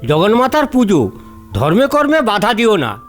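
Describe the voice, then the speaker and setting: High-pitched scheming village householder played by a man. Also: wildly swooping pitch, moderate pace, soft background music. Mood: brusque, dismissive. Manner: insistent, sly. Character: spiteful scheming middle-aged village householder, pushy younger brother. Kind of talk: dramatised audio storytelling.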